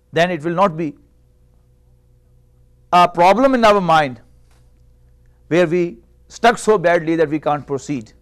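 High-voiced man lecturing on Arabic grammar. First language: Urdu. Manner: measured, explanatory, rhetorical questions. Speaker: Arabic teacher. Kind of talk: classroom lecture. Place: small classroom indoors. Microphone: lapel mic.

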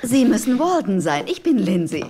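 A woman's voice: mid-range voice, very animated, moderate pace, very noisy, natural voice. A woman playing a forward, flirtatious and encouraging woman in a dubbed sitcom. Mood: curious, sympathetic. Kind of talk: German-dubbed sitcom acting.

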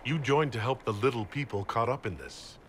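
An actor voicing a resolute, stern, large horned warrior leader in a fantasy game, serious and plain-spoken. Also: male voice, medium pitch, lively intonation, moderate pace, a bit bright, a little hiss or hum, lightly acted. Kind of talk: fantasy video game acting.

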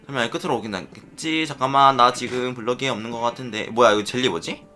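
A man giving excitable play-by-play commentary on his Minecraft minigames, often chanting and shouting as he plays. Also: medium pitch, fast talker, soft background music. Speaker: gaming YouTuber.

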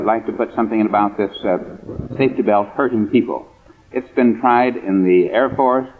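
American guy, lowish voice, formal expert on an old 50s radio interview, thin phone-like sound. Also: slight background noise. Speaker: guest surgeon. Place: convention hall radio interview. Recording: muffled phone-like 1950s radio recording.

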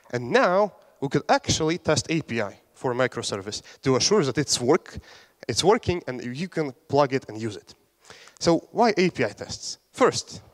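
A young man from Latvia giving a casual, joking technical talk on a conference stage, with fillers and restarts. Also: on the high side. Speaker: conference speaker. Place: large conference hall on stage. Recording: hall reverb.

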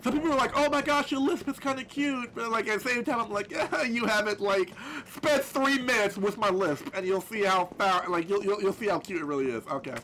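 A man's voice: high voice, a little fast, few pauses, a bit bright, a little hiss or hum, poor audio. A man with a lisp giving rambling, swearing commentary over a horror game, often restarting his sentences. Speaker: gameplay commentator. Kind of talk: let's play commentary.

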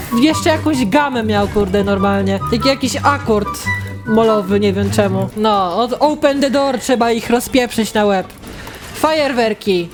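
Young female gaming host, high-ish voice, excitable swearing commentary, soft music underneath. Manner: excitable, swears at the game, talks to viewers. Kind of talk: casual gameplay commentary.

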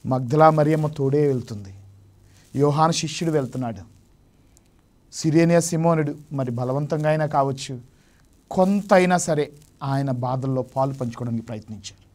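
A Catholic priest giving a Lenten sermon for television, preaching emphatically and rising sharply on key phrases. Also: male voice, mid-range voice, moderate pace, long pauses, darkish tone. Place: television studio.

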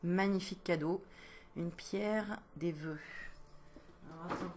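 A chatty woman who works as a medium gives a casual oracle card reading directly to the viewer, laughing often and slowly reading the card messages aloud. Her voice is on the low side, and there is background noise.

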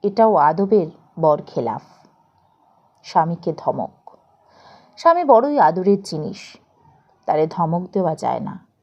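A woman reading a literary story as an expressive audiobook narrator. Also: lowish voice, takes it slowly, pauses often, muffled recording.

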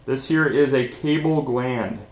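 A man's voice: medium pitch, unhurried. A young man giving a casual, informal hands-on tutorial, sitting at a table indoors. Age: young adult. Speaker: DIY tutorial host. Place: small indoor room at a table. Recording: echoey room.

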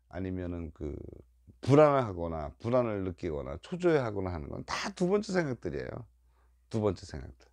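A man's voice: sits low, gravelly, dry recording. An older man giving a Buddhist dharma lecture, repeating key phrases and acting out worried inner voices. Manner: emphatic, rising and falling loudness.

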